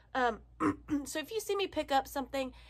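A woman speaks with lively intonation. Her tone is bright and sharp. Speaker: online reseller vlogger. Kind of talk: casual vlog chat. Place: home room. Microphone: phone near.

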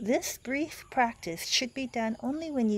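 Using very wide pitch swings, a woman with an American accent speaks at a moderate pace. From California, USA. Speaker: yoga teacher. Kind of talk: guided yoga instruction. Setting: outdoors.

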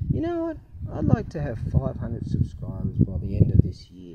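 A man talks at a fairly quick pace while loud background noise plays. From Australia. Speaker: YouTuber and English teacher. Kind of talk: casual monologue vlog. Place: waterside. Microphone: phone near.

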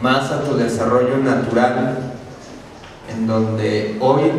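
A man speaks very slowly in a flat, monotone voice. Strong room echo surrounds him, along with light background noise. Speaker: workshop facilitator. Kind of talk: guided meditation talk to an audience. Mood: calm, guiding. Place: hall.

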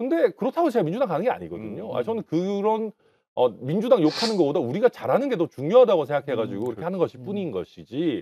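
At a very fast pace, a man with a high pitch and a dark, mellow tone makes very wide pitch swings, the sound dry with no echo. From South Korea. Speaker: politician. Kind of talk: political talk show debate. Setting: studio. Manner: humorous, animated. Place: studio. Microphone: lapel.

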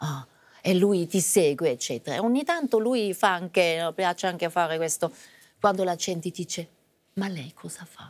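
A woman with a fairly low voice talks at a moderate pace, her intonation lively, her loudness swinging widely, and her speech broken by long, frequent pauses. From Switzerland. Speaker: diplomat; interview guest. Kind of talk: interview. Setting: studio. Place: studio. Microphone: lapel.

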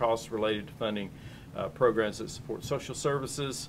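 A man talks with a Southern US accent over light background noise. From East Tennessee. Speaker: school board chair. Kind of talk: public meeting. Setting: meeting room. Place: meeting room. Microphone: podium.

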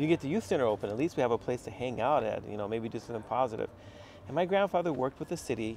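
Over light background noise, a man with a dark, mellow tone speaks at a very fast pace with lively intonation, the sound dry with no echo. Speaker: vlogger. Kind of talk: casual vlog chat. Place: street. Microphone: phone near.

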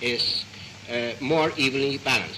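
Against noticeable background noise, a man talks at a fairly slow pace with fairly even intonation. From Cuba. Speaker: chess grandmaster and former world champion. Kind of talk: radio interview answer. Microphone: old recording.

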